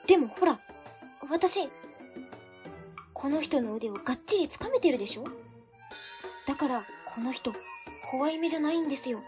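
A woman's voice: sits high, lively intonation, normal speed, pauses often, a little mellow, faint music behind. An actress playing a polite, methodical young female civil servant in an amateur web radio drama. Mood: insistent.

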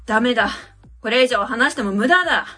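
A woman's voice: fairly high pitch, expressive, fairly quick, sharp tone, soft background music. A woman playing a pompous, domineering adviser. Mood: haughty. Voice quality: pompous and commanding. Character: haughty, domineering adviser of uncertain age. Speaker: adviser character. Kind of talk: amateur web radio drama acting.

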